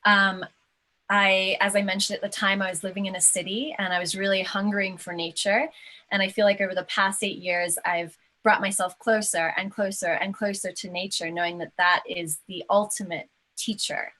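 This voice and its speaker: A woman from England, a soft-spoken and reflective guest in a casual interview over a video call. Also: medium pitch, flat delivery, moderate pace.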